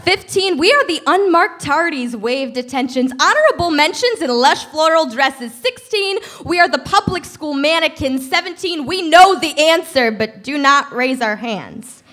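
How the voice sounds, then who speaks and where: A young woman performs slam poetry in a high, bright, forceful voice. Each phrase is delivered with pointed rhythm and emphasis. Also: expressive, normal speed, hardly any pauses. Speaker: slam poet.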